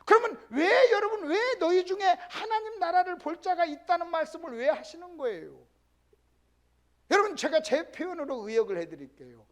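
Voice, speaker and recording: This sermon comes from a male pastor whose extremely high voice is expressive and moves at normal speed. He presses his points emphatically, keeps calling out to the congregation, and now and then falls to a hushed whisper.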